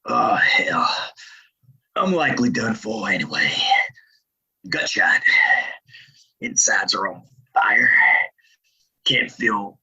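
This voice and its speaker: A man acts out a sadistic dying gunslinger in a Western audio drama, his drawl badly raspy and hard-edged. He taunts slowly and without remorse, on a slightly muffled recording. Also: fairly low pitch, animated, sharp tone, heavily acted. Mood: dying, defiant. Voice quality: raspy, gravelly. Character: dying sadistic male Old West outlaw, taunting and remorseless. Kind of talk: audio play acting.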